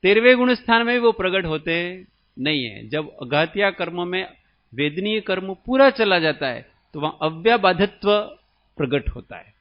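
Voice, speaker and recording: An Indian spiritual teacher gives a religious discourse, slowly explaining and questioning his listeners in a high, animated voice. The recording is dull, lo-fi and dry, making him sound close.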